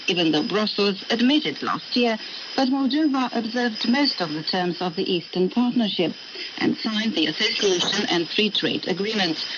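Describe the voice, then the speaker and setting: A woman presenting scripted news narration on a radio programme. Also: mid-range voice. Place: radio studio, heard over shortwave. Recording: noisy muffled shortwave radio broadcast.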